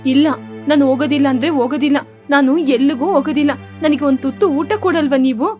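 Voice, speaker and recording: A woman voicing a defiant, loyal teenage girl who scolds her parents in a sharp, indignant way. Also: high-pitched, quick pace, faint music behind, natural voice.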